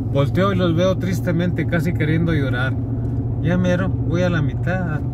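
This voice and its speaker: Loud background noise surrounds a man talking at a fairly slow pace. The sound is dry, with no echo. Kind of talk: casual vlog chat. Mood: joking, storytelling. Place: car.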